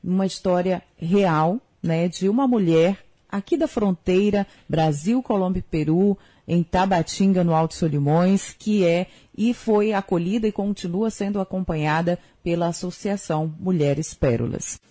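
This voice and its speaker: A woman presenting a radio program and interpreting a testimony phrase by phrase in a careful, steady way. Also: on the low side, moderate pace.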